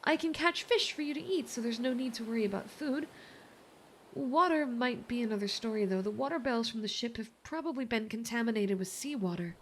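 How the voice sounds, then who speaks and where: Girl doing a kind soothing mermaid for asmr roleplay, highish voice, bit of background noise. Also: lively intonation, brisk. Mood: eager, practical. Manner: soothing, gentle, hesitant, earnest. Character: kind, worried female mermaid rescuing a shipwrecked sailor.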